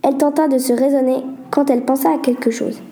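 A woman's voice: sits high, fairly even intonation, fast talker, dark tone, reverberant. A woman reading a children's story aloud in a plain, earnest way, with small stumbles. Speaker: reader.

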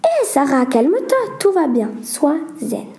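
A woman voicing a calm, teasing boy who talks in a reassuring, easygoing way. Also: high voice, unhurried.

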